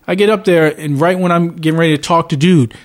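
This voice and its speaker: A man's voice: a little high, steady tone, quick pace. A man co-hosting a podcast, telling a long story in casual chat, often repeating and restarting words as he retells what happened. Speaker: podcast co-host.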